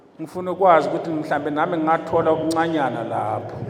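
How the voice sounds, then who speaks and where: A man with a Lesotho accent, high-pitched and very fast, with ordinary pitch variation, noticeable background noise, and audible room echo. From South Africa, Free State. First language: Sesotho. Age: 60s. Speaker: pastor. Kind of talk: sermon.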